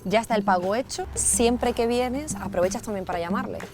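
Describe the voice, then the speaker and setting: A woman's voice: medium pitch, a little fast, music in the background. A woman working as a TV reporter, asking questions conversationally. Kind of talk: conversational interview.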